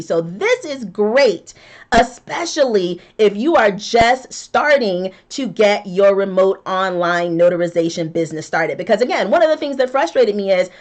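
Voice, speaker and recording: Slow, upbeat woman talking to her viewers. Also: a little high. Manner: upbeat, emphatic, addresses viewers as guys. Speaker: notary signing agent and YouTuber. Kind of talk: enthusiastic explainer vlog.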